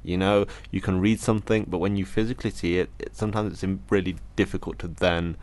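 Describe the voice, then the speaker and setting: A man's voice: deep voice, steady tone, quick pace, a little mellow. A man, an interview guest, thoughtfully recounting a personal experience in an earnest, detailed way. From Britain. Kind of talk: reflective personal account.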